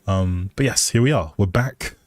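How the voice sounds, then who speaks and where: A man's voice: lowish voice, normal speed, a little mellow, dry recording. A man hosting a casual gaming livestream, talking politely and appreciatively to his viewers. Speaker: livestream host. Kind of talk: casual livestream chat while playing a life simulation game. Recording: music behind the voice. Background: music.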